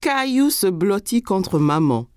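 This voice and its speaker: A woman's voice: medium pitch, sing-song, takes it slowly, dry recording, clean studio sound. A woman narrating a children's cartoon in the manner of a storybook reader. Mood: storytelling. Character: storyteller of a small boy's everyday adventures.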